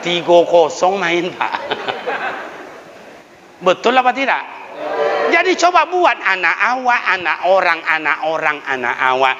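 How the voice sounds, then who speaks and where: A man preaching a lively, humorous village sermon, telling folksy stories and calling out to the elders. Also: high voice, unhurried, long pauses, a crowd in the background. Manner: humorous storytelling with folksy asides, addressing elders directly. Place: mosque. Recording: reverberant hall sound, dull lo-fi.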